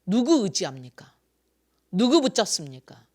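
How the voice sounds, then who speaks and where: A pastor in their sixties preaches a Sunday sermon, putting question after question to the congregation. Key phrases come back again and again, first pushed out loud, then let fall into a soft aside. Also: medium pitch, sing-song, moderate pace. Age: 60s.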